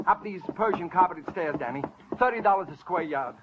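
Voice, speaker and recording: Fussy, fretful theater manager. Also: male voice, high voice, animated, a little fast. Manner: pleading, fussy, rambling. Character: fussy excitable male movie theater manager. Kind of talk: 1950s radio drama acting. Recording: muffled hissy old radio broadcast.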